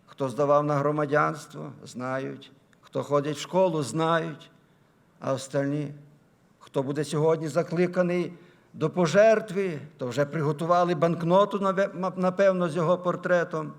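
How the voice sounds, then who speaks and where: Higher-pitched man preaching with dynamic swings. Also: fairly even intonation, creaky. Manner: swings between loud, raised emphasis and low, quiet asides; drawn-out, slowed key phrases. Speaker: pastor. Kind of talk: sermon. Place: church sanctuary.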